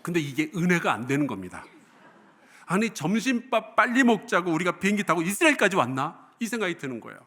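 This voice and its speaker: A middle-aged male pastor giving a sermon. He tells a story and asks the congregation questions, swinging between loud emphasis and hushed, low lines.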